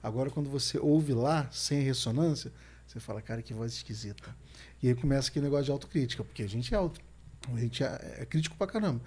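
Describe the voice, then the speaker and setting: A man's voice: medium pitch, fast, a little mellow, slightly rough. A man, hosting a casual podcast interview and explaining things conversationally. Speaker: podcast host.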